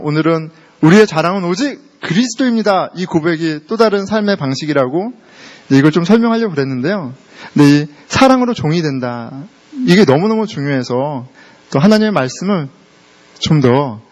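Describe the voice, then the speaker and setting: A middle-aged male pastor gives a chatty sermon in a church, and his fairly high voice carries a long reverb from the hall. He slips English words in and acts out small family exchanges as he goes. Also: highs cut off. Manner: conversational preaching that mixes English words into Korean, acts out family dialogue. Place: church sanctuary.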